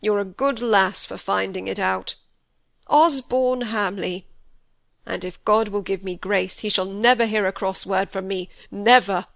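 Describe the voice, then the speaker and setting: A woman reading a grief-stricken old country squire in a rough rural dialect, her voice low and broken. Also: steady tone, a little slow, no echo. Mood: grieving. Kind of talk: audiobook character voice.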